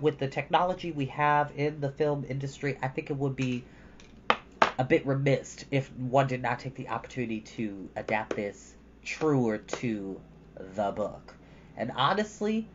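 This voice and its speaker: A storytime host with a medium-pitched voice, chatting casually and informally with rambling asides and reading from a storybook. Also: slight background noise. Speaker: host of a storytime livestream, reading a novel aloud. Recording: dull lo-fi audio with background music. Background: ambient background music.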